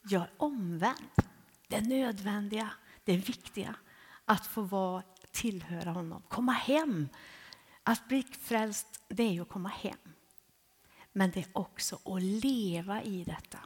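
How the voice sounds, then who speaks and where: A woman preaches in a church, her voice slightly husky and airy, at a middling pitch. She weaves personal stories into the sermon and often sinks to an intimate near-whisper. A long reverb from the church hall trails behind each phrase. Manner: intimate, drops to hushed near-whispers for emphasis. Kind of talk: sermon with storytelling.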